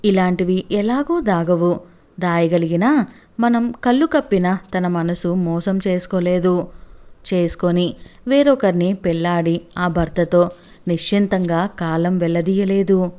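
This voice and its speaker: A woman doing a righteous young man who pleads forcefully and earnestly for justice, in a low, mellow voice. He speaks with steady moral conviction. It is a storybook reading. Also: measured pace, clear, resonant tone, lightly acted. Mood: accusing.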